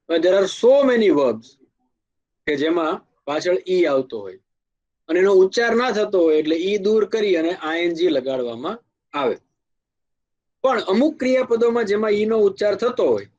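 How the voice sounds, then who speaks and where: A man with a Kathiawadi Gujarati accent teaching an English grammar lecture, explaining slowly with spoken examples and asides. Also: fairly high pitch, a little mellow, lo-fi sound. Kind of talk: classroom lecture.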